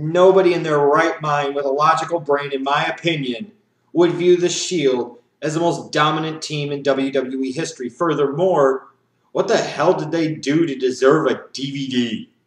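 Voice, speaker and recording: Fairly even intonation over a quiet background, with audible room echo. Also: man, fairly high pitch for a man, moderate pace. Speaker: wrestling commentator YouTuber. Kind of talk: angry rant about wrestling news, sarcastic and indignant. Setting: home video recording for YouTube. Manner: loud, indignant, exasperated, emphatic repetition; sarcastic, incredulous. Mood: annoyed, incredulous. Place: home room.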